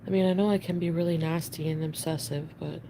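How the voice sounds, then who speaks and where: A woman's voice: low voice, steady tone, fast talker, noisy background. A woman in a played clip, talking through a breakup in a rambling way that is full of "like" fillers and sounds upset.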